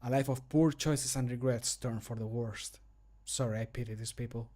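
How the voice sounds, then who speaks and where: A man voicing a somber, pitying adventurer for a fantasy game, with dramatic, drawn-out gaps in a scripted delivery. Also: mid-range voice, steady tone, warm tone, natural voice. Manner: slow, dramatic, gapped delivery. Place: small home room.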